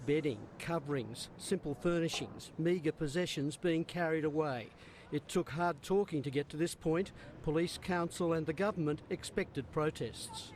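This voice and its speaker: A man delivering a news report voice-over with crisp, formal phrasing. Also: on the high side, moderate pace, darkish tone, slight background noise.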